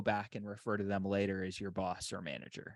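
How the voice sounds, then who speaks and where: A man's fairly low-pitched voice with an American accent. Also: quiet background. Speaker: sales coach. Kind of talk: coaching feedback on a role play. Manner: hesitant, many fillers.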